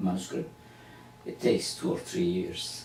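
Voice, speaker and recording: Amid audible room echo, a man with a dark, mellow tone and fairly low pitch speaks at a moderate pace. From Turkey. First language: Turkish. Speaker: professor, author. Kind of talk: interview. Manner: halting.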